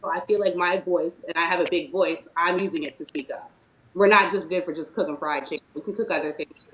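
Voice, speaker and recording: A woman's voice: lowish voice, steady tone, fairly quick, fairly bright tone, echoey room, slight background noise, rough recording. A woman chef speaking earnestly and emphatically on a panel about her experience at work. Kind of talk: panel discussion, personal story.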